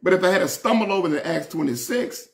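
A man's voice: high-pitched, animated, fast, gravelly. A man in his sixties with a Southern US accent, teaching Bible study in an emphatic, folksy way, repeating phrases and calling on listeners. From Southern United States. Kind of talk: informal Bible study sermon, reading and explaining scripture. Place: indoor room at home, seated before French doors.

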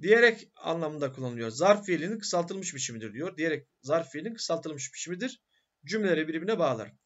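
A man's voice: a little high, expressive, brisk, a bit bright, highs cut off. A male teacher giving a grammar lecture who asks questions and answers them himself.

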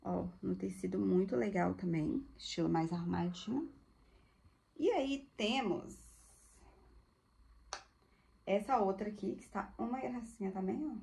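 A woman's voice: medium pitch, a little slow, creaky, long pauses, warm tone. Woman, chatty thrift seller, gushing casual showcase. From Brazil. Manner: chatty, gushing, addresses viewers as girls. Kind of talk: casual live product showcase.

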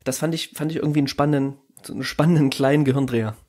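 A man's voice: mid-range voice, fairly even intonation, rapid-fire, darkish tone. A man co-hosting a casual podcast chat, thoughtful and rambling, with many fillers and restarts. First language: German. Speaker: podcast co-host.

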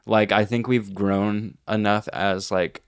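A man's voice: lowish voice, little pitch movement, slow pace, smooth. A man in his twenties from Texas, co-hosting a podcast in casual, opinionated, slangy chat. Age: 20s. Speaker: podcast co-host. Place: small room, indoors. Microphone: podcast microphone on boom arm.

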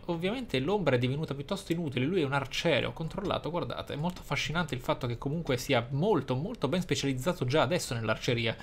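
A man's voice: a little high, a little hiss or hum. Man doing articulate gameplay commentary. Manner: deliberate, articulate, formal wording. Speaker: gamer, let's play host. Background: video game ambience.

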